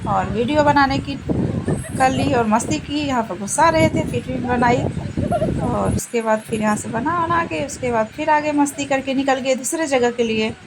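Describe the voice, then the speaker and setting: A woman's voice: high voice, moderate pace, heavy background noise. A woman narrating a casual travel vlog about her family trip, chatty and rambling, often repeating herself.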